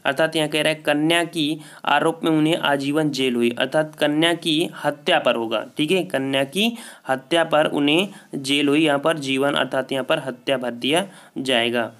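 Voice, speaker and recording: A man's voice: a little high, fairly even intonation, normal speed, fairly bright tone. A man teaching exam prep, going through a grammar test and repeating each answer with a check-in. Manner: repeats each answer and asks it back with "ठीक है". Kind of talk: solving a Hindi grammar test paper aloud.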